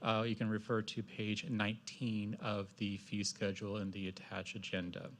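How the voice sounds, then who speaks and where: A man speaks in a somewhat low voice as a staff presenter at an official meeting. His delivery is formal and procedural. He proceeds haltingly through the details. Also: completely flat delivery. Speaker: city staff member presenting.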